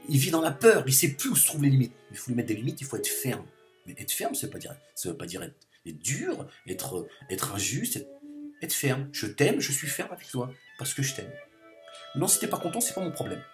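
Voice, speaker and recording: A man delivering an impassioned political monologue to camera, hammering his points by repeating phrases over and over. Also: medium pitch. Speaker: video commentator.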